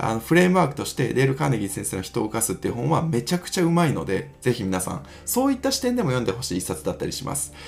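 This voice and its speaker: Speaking very fast with hardly any pauses, a man at a medium pitch swings his pitch very widely and uses vocal fry. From Himeji, Hyogo (Kansai), Japan. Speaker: company executive hosting own podcast. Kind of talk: solo podcast talk.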